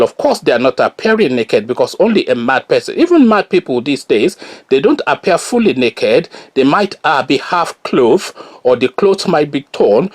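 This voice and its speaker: Animated Nigerian man, scornful commentary. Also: a little high. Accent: Nigerian Yoruba. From Nigeria, Oyo. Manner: scornful, argumentative, many filler pauses. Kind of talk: solo opinion commentary.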